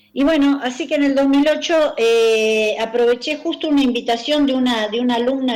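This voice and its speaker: This woman's voice is high-pitched, with ordinary pitch variation and a moderate pace. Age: 60s. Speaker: dancer and activist. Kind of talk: interview.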